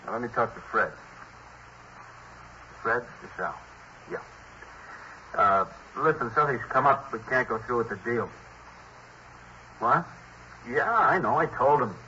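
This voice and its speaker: A man's voice: mid-range voice, expressive, unhurried, long pauses, sharp tone. An American man playing a cagey, irritable middleman for stolen jewels in a 1950s radio crime drama, slangy and evasive. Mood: grudging. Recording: dull, faintly hissy 1950s radio broadcast.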